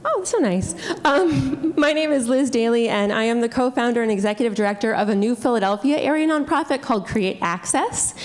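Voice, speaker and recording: A woman who leads a nonprofit, introducing herself on a conference panel with eager enthusiasm. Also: fairly high pitch.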